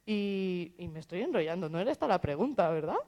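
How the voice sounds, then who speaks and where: A woman's voice: fairly low pitch, animated, fairly quick, dark tone. A woman chats on a festival stage panel about her work running social media. She talks easily and tells anecdotes, slipping into the voices of the people she quotes. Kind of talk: casual panel conversation.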